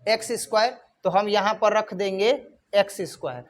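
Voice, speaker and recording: Man, north indian hindi-speaking accent, maths teacher, high-pitched voice, whiteboard lecture, asks and answers his own questions. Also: moderate pace. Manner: asks the class questions and answers them himself, repeating key terms.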